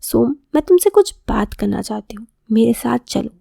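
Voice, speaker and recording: High-voiced, earnest young college woman, acted by a woman. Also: big pitch swings, normal speed, creaky, dark tone, husky, no echo, clean studio sound, exaggerated voice. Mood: pleading, earnest. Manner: earnest, protesting. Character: young college woman in love, shy, anxious, principled.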